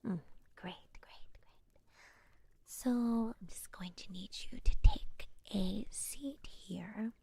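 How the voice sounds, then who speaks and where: A woman playing a gentle, reassuring witch healer in a soft-spoken ASMR roleplay, breathy and soothing, close to the microphone. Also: medium pitch, exaggerated voice. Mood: soothing, attentive. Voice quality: breathy, mostly whispered. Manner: slow, soothing, hesitant, repeats reassurances.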